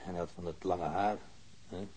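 A man playing a grumbling wounded policeman in a radio drama, halting and repeating himself. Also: low voice, steady tone, a little mellow, slightly rough. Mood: halting, searching. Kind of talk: naturalistic radio drama acting.

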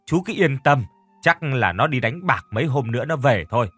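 A brash market fish seller woman talking loudly, as a male narrator plays her. Lively and bright, with a dry close sound. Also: medium pitch, moderate pace, slightly rough, no echo, soft background music. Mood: reassuring. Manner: loud, brash.

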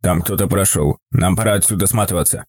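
A man voicing a gruff, blunt old man in a storybook reading. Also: low voice, fast talker, darkish tone, dry recording, studio quality, pitched below the performer's own voice. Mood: tense. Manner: gruff, rough-spoken.

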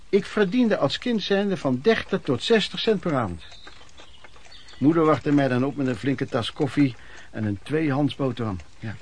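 An actor playing an older, plain-spoken former street vendor and vagrant who reminisces in a radio play, wordy and folksy with quaint old-fashioned phrasing. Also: male voice, medium pitch, breathy edge. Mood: nostalgic. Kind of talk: radio play monologue in interview form.

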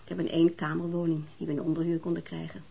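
Weary, husky, defensive divorced mother. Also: sits low, little pitch movement, racing, mellow, full character voice. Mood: hesitant. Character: weary, defensive divorced working-class mother being questioned. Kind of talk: naturalistic radio drama dialogue.

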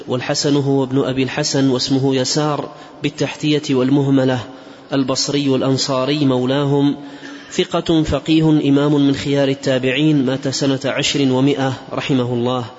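Man reading old text out loud in class, monotone, careful with the vowel marks, muffled lo-fi audio. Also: mid-range voice, brisk. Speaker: student reading the text aloud. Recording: dull lo-fi recording.

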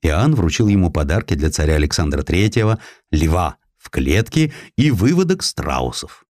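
A man reads a historical tale as scripted audiobook narration, with a dramatic, expressive storytelling delivery. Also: low voice, moderate pace, dry recording.

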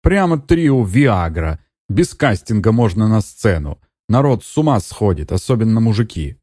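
A man's voice: lowish voice, big pitch swings, moderate pace, dark tone, no room sound, studio quality, voice pushed up. A man reading an audiobook, voicing a young nephew who teases his uncle in a mocking, needling way. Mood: taunting. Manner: sarcastic, needling.

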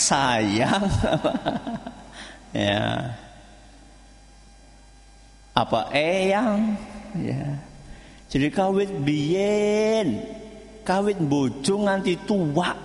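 Lively Javanese preacher in echoey hall. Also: male voice, mid-range voice. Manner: lively call-and-response with audience. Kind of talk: Islamic lecture.

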